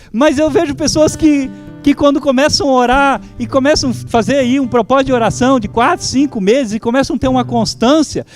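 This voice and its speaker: A man whose first language is German, preaching a sermon as pastor, fervent and calling out to his congregation. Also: extremely high pitch.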